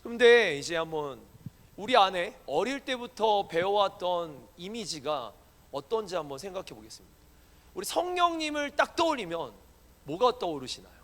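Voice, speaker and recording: Man, pastor, casual sermon, animated, quizzes the congregation, high voice, long hall reverb. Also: normal speed. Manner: animated, playful, asks the congregation questions. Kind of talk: conversational sermon to young adults. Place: church hall.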